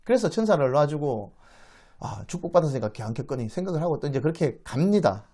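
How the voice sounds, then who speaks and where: A man's voice: a little high, fast talker, husky. A man giving a Bible lecture as a dramatic story, acting out the quoted speech and putting questions to his listeners. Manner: animated, acts out the quoted speech, asks the audience questions.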